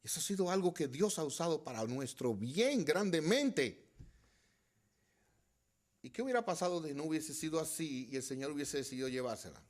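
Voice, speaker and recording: A middle-aged man preaching a sermon as pastor, swinging between loud exhortation and quiet storytelling and addressing the congregation as brothers. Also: fairly high pitch, expressive, normal speed.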